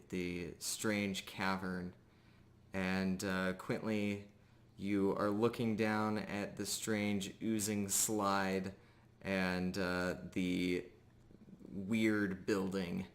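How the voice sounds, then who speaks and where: A man narrating a tabletop game as game master, improvising in a casual, halting way. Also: deep voice.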